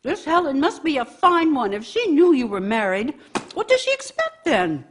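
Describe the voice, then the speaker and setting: An actress playing a bitter, long-suffering wife in a radio play, nagging and scornful, with a husky voice. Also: female voice, high voice, very animated, normal speed, a little hiss or hum. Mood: indignant, scornful. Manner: scornful, reproachful, needling. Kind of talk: radio theater monologue.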